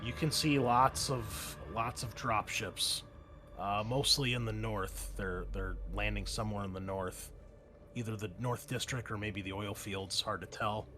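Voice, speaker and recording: A man running a tabletop game, improvising narration in a halting way. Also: on the low side, fairly even intonation, sharp tone, slight background noise. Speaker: game master.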